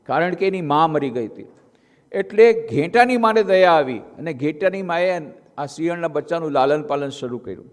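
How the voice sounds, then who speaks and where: A man with a notably high voice, a monk telling a fable to young people and firing questions back at the crowd. He repeats his key lines again and again. His words ring out with the long reverb of a big convention hall. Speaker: monk and spiritual speaker. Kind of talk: storytelling talk to young people.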